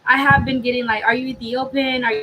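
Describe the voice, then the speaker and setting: A woman's voice: high-pitched, level tone, fast talker, background noise. A young woman from Inglewood, a podcast guest, talking in an earnest, reflective way and repeating her key phrases. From Inglewood, California. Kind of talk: casual podcast conversation.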